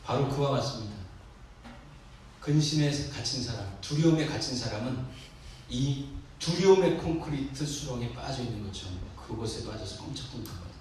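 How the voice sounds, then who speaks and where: A man preaching a sermon as a pastor, swinging between booming exhortation and soft asides. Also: expressive, normal speed. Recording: echoey church hall from far off, faint noise.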